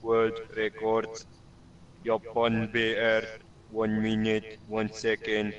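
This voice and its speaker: A man putting on a flat, robotic monotone voice, like a robot reading text aloud, during casual gaming chat. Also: on the low side, takes it slowly, distant mic, highs cut off, voice pushed down.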